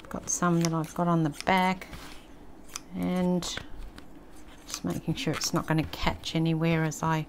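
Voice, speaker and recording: An older woman with an Australian accent, casually thinking aloud as she works on a craft project, sometimes dropping into a soft near-whisper. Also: sits low, level tone, measured pace, pauses often, a little hiss or hum. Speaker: craft channel host. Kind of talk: casual craft-along commentary. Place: indoor craft table, filmed from overhead.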